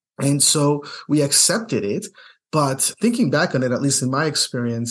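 A man with a Spanish accent at medium pitch and moderate pace over a quiet background. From Latin America, moved to US at 10. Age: 40s. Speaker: podcast host, financial advisor. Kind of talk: solo podcast monologue.

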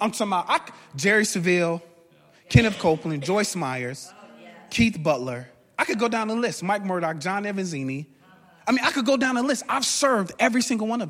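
Against noticeable background noise, a man with an American accent speaks in an animated tone at a high pitch, with very wide pitch swings and a fairly quick pace. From US urban housing projects. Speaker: guest preacher. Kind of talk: sermon. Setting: church.

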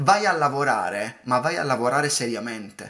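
This man's voice has a bright, sharp tone. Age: 30s. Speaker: podcast host, youth leadership coach. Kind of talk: motivational monologue.

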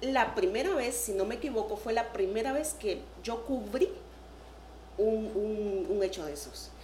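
Her fairly high voice has lively intonation and big swings in loudness, at a fairly slow pace with long, frequent pauses. Audible room echo and noticeable background noise surround the woman. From Honduras. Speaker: former journalist and beauty queen. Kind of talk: interview.

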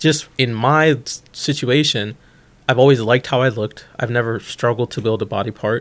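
In a plain, everyday voice, a man with an American accent speaks at a moderate pace and medium pitch with fairly even intonation, on a very clean recording with a silent background. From Chicago suburbs, Illinois. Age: 30s. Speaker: bodybuilder and strength coach. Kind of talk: casual chat.

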